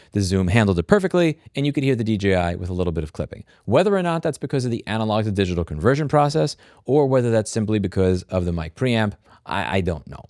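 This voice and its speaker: A man with an American accent testing microphones, talking bluntly with swearing, his voice going hoarse from yelling. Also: fairly low pitch, dry recording, clean studio sound. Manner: blunt, profane, swings into shouted test phrases. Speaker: host. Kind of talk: opinionated gear review and mic test. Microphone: close mic, about a fist from the mouth.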